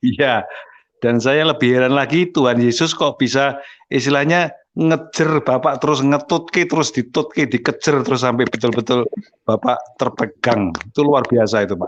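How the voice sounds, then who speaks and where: Speaking in a normal speaking voice, a man keeps a moderate pace, a medium pitch, very even loudness and ordinary pitch variation. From East Java, Kediri. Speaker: viewer asking questions. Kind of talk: casual chat.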